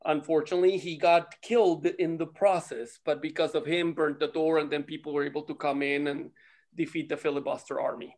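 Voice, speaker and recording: A man with a fairly high voice. He talks casually like someone telling friends a story, informal and loose-tongued, pausing now and then to search for words. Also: fairly even intonation, a little mellow. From Costa Rica. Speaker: participant in an online table read gathering. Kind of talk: casual chat, animated storytelling.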